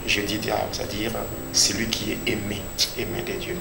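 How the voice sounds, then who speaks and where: A man with a Congolese accent giving a personal religious testimony as a pastor, speaking deliberately and repeating phrases for emphasis. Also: lowish voice, monotone. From Democratic Republic of the Congo. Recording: echoey room with clear background noise.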